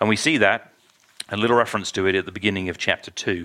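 His tone bright and sharp, a man speaks with ordinary pitch variation. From UK. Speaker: visiting preacher. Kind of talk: sermon. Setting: church.

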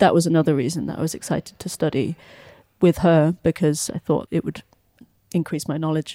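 Speaking in a Welsh accent at a fairly quick pace with long, frequent pauses, a woman has a very deep, low voice with a dark, mellow tone and monotone, flat intonation, in a very clean recording with a silent background. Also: dry, close sound with no echo. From South Wales. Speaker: painter. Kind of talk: interview.

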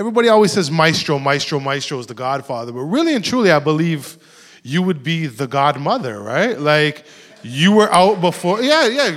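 In a Toronto accent, a man speaks at a fairly high pitch with very wide pitch swings. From Toronto, Rexdale. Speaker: podcast host and moderator. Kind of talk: interview on stage. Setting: stage with audience.

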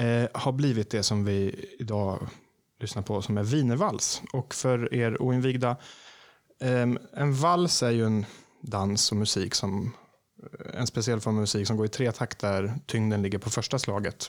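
A man with a plain, everyday voice talks at a medium pitch and fairly slow pace, with very even loudness and ordinary pitch variation. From Sweden. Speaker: orchestra trumpet player, podcast co-host. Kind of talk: casual chat.

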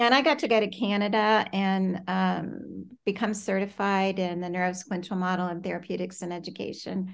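An ordinary speaking voice from a woman with an American accent, medium in pitch. She keeps a moderate pace with hardly any pauses and fairly even intonation. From Washington, D.C. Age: 60s. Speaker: childhood trauma expert. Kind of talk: interview.

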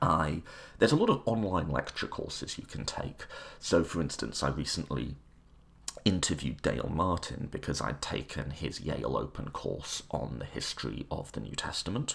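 A man's very deep, low-pitched voice with vocal fry. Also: lively intonation, moderate pace. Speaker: podcast host. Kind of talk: solo monologue, casual recap. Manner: relaxed, conversational.

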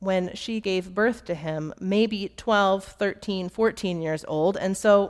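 Pitch varies in an ordinary way through this unforced reading voice.

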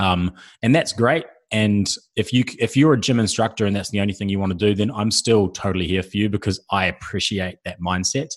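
Speaking in a New Zealand accent, a man uses ordinary pitch variation. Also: fairly low pitch for a man, fairly quick pace. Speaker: fitness instructor trainer and entrepreneur. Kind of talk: interview.

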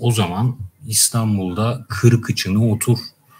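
This man talks very slowly. There is a somewhat breathy quality to his voice. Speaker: podcast co-host. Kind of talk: casual chat.

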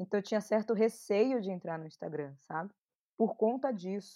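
A woman talks at a moderate pace in a dark, mellow tone with ordinary pitch variation. The background is quiet. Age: 20s. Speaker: entrepreneur and content creator. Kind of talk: casual chat.

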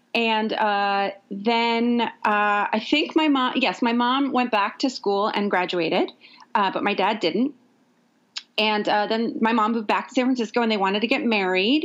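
Against a quiet background, a woman with a normal speaking voice and a fairly high pitch speaks at a fairly slow pace, with ordinary pitch variation and very even loudness. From Northern California. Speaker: screenwriter and story consultant. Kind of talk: casual interview.

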